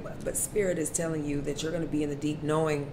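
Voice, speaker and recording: A woman's very deep, low-pitched voice over noticeable background noise. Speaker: card reader. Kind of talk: casual reading commentary. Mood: relaxed, candid, profane. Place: home room. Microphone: webcam.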